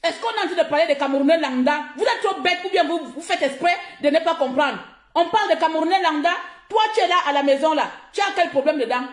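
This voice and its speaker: A woman's voice: sits high, animated, fast. A woman from Gabon giving a heated, confrontational rant on a live stream, scolding her viewers and repeating herself for emphasis, recorded on her phone. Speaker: social media live streamer. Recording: echoey room.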